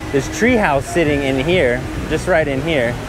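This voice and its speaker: Clear music plays in the background as a man speaks with ordinary pitch variation. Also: dry sound with no echo. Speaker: travel vlogger. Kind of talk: casual vlog chat. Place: cafe. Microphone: phone near.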